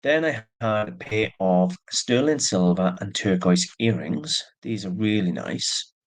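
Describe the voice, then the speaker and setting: A man's voice: fairly low pitch, animated, unhurried. A man with allergies casually showing and describing the antique silver jewelry he sells, chatty with plain asides. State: stuffy with allergies, yawning. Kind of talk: casual show-and-tell narration.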